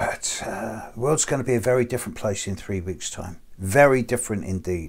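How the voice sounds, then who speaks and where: A man with an English accent, lively intonation, a fairly quick pace and a somewhat breathy sound. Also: medium pitch for a man. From England. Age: 60s. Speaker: astrologer. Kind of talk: casual monologue to camera. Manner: occasional stumbles and fillers.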